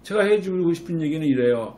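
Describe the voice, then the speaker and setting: A middle-aged man, a clinic director, lectures parents on raising children, animated, acting out what a mother might say. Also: on the high side, a little fast. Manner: animated, acts out a mother's voice when quoting. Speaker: Korean medicine clinic director giving parenting advice.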